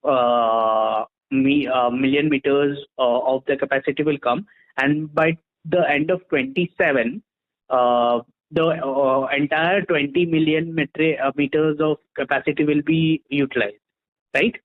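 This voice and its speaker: A tinny phone connection carries an Indian man's fairly high voice. He is an investment analyst putting questions to management, polite and somewhat halting in his delivery. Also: steady tone. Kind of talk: earnings call questioning. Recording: tinny narrow-band phone line.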